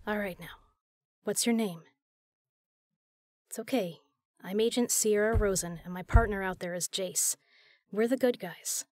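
A woman's voice: medium pitch, unhurried, long pauses, a little mellow, lightly acted. A woman playing a tough, capable spy in an audio drama, flirty yet caring. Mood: gentle, soothing. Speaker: voice actor in a fan audio drama. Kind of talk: audio drama acting, intimate.

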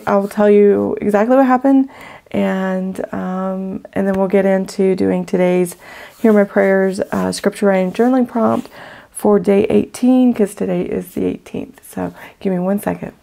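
A middle-aged woman chats to her viewers from her table at home, her voice raspy and gravelly after a recent illness. The tone is dark and mellow, loose and friendly, full of ums and thank-yous. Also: medium pitch, fairly even intonation, unhurried. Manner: warm, grateful, chatty with fillers. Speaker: faith channel host. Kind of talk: casual chat to viewers. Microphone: overhead camera, speaker off screen.

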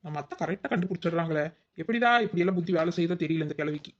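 A woman plays a young village daughter-in-law in a cartoon comedy, scheming and exasperated. She mutters fretful asides in very rapid with a fairly low voice, recorded a little dully. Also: highs cut off, slight background noise, natural voice.

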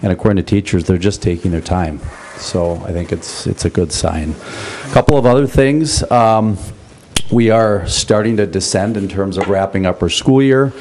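A man's voice: sits low, moderate pace, a little mellow, slight background noise. A man in his fifties giving an informal report as a school principal at a podium microphone in a meeting room. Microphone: gooseneck podium microphone.

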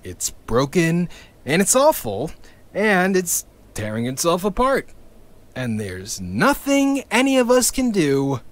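A man's voice: high voice, wildly swooping pitch, slow, exaggerated voice. An actor playing a blunt, bitter crew member in an audio drama, swearing as he lays out bad news.

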